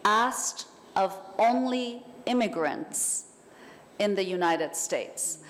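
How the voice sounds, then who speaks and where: Persian-native woman writer on a festival panel, lowish voice, talks slow n careful, hall echo. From Iran. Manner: thoughtful, measured, with hesitations. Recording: hall reverb, faint noise.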